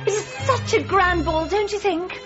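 A young actress playing an earnest, spirited princess, with a crisp, refined way of speaking. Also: female voice, very high voice, moderate pace. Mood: eager. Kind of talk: period drama acting and diary narration. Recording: dull dry lo-fi with faint music.

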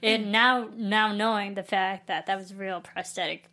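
A woman co-hosting a casual film discussion, chatty, often trailing off and restarting, quick to laugh. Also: medium pitch, fairly even intonation, bright, forceful tone. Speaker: podcast co-host.

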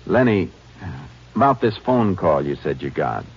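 Shrewd male lawman lead, deep bass, measured folksy delivery, dull vintage radio sound. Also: very animated, husky, full character voice. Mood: calm, pressing. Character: steady, shrewd Texas Ranger lawman, grown man. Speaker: radio drama lead actor and narrator. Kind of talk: 1950s radio western acting and narration. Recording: muffled, noisy old radio recording.

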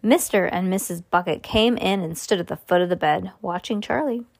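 A woman hosting a podcast, reading a children's book aloud in a relaxed way with small slips. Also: medium pitch, moderate pace, creaky.

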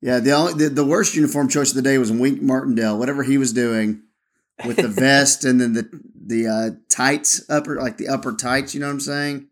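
A man's voice: mid-range voice, a little fast. A man hosting a sports podcast, chatting casually with cohosts and signing off the show with plenty of fillers. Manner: relaxed, filler-heavy sign-off. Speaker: podcast host.

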